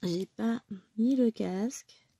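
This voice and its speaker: Lady w a cold chatting on and on at home, soft dark tone, phone mic close by. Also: fairly high pitch, slow pace, vocal fry, husky. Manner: chatty, rambling, self-correcting. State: has a cold. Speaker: crafting vlogger. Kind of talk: casual chat while stitching.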